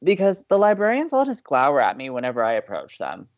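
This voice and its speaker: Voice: mid-range voice, wildly swooping pitch, quick pace, dry recording, dull audio. An actor playing a playful, sociable college radio co-host who banters earnestly and teasingly with theatrical emphasis. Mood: eager.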